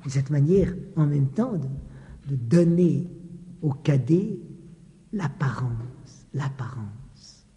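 Brief: male preacher, slow deliberate delivery, mellow tone, repeats himself, soft asides, recorded in a reverberant hall. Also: fairly high pitch. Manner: halting, repeats words, drops to soft asides. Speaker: preacher reading and commenting on scripture. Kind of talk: slow scripture reading with commentary. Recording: long reverb of a large hall.

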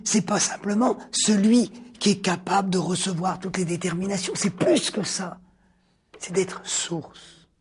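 A man giving a spoken philosophy lecture, drawn out and rhetorical, repeating key words and dropping suddenly into a hushed near-whisper. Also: high-pitched, slightly rough. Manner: deliberate, drawn-out phrasing with sudden hushed drops.

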